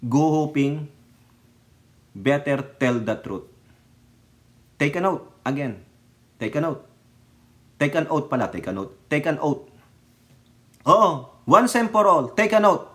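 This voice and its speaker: A Filipino man delivers casual political commentary on his vlog. He talks straight to his viewers in an animated, needling way, and his voice sits a little higher than most men's. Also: slow pace, long pauses.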